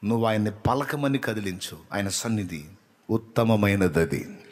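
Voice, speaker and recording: A man preaching a sermon with passion, swinging from loud, urgent appeals to soft, tearful prayer. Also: on the low side, lively intonation, normal speed.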